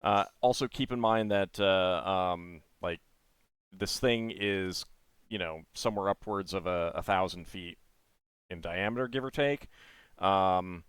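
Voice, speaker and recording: A man narrates a tabletop game as its game master, his voice low and smooth. He talks haltingly, full of pauses and restarts. The sound is dry and close. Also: a bit bright, no echo.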